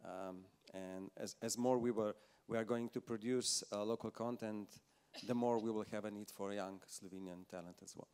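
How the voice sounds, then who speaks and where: Man, low voice, smooth and resonant, direct, panelist. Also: steady tone, normal speed, few pauses, a little mellow. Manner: direct, candid. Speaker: business panelist. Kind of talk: panel discussion answers.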